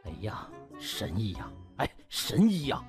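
A man's voice: fairly low pitch, wildly swooping pitch, a little slow, faint music behind, pitched below the performer's own voice, full character voice. A man voicing an effusive rustic villager, gushing and folksy, in an audiobook. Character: effusive rustic villagers praising a young doctor.

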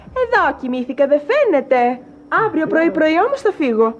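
An actress playing a jealous wife in a TV sitcom who scolds her husband with sharp sarcasm. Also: sits high, big pitch swings, a little hiss or hum. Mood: irritated. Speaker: actress in a TV comedy series. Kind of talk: sitcom acting. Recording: dull broadcast audio with a crowd behind it.

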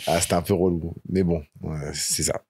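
A man's voice: low voice, steady tone, fairly quick, darkish tone, husky. A young man from France telling stories as a podcast guest in casual chat, laughing often.

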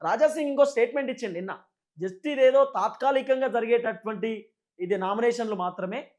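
Male political commentator, Telangana Telugu accent, very high voice, rapid delivery, emphatic and repetitive explaining. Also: a little mellow. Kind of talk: unscripted political news commentary.

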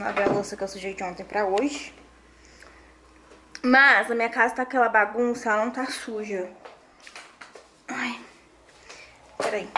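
A woman's voice: medium pitch, background noise. A woman in her twenties with a Minas Gerais Brazilian accent, chatting to viewers while she cleans her apartment. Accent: Brazilian Portuguese, Minas Gerais. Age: 20s. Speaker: vlogger. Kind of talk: casual cleaning vlog chat. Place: apartment kitchen and terrace, indoors.

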